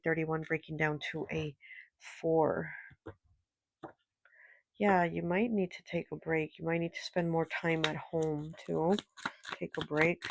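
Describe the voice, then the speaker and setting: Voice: mid-range voice, no room sound. A casual tarot reader talks through a spread, thinking aloud and looping back over the same points with easy fillers. The voice stays level with little rise or fall. It is recorded close and dry, with no room sound. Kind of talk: casual tarot card reading.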